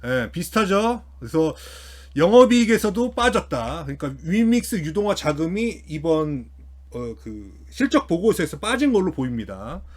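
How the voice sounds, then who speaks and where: A man's voice: a little high, big pitch swings, moderate pace. A man giving casual explanatory financial commentary as an online host, informally thinking aloud as he works through figures. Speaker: YouTube host commenting on company earnings.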